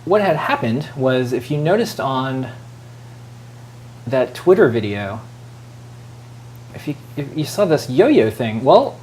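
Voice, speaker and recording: A man's voice: mid-range voice, sing-song, slow, pauses often, darkish tone. Give me a rambling man co-hosting a casual studio chat, with faint hiss behind him. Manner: rambling, with many fillers and side remarks. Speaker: show co-host.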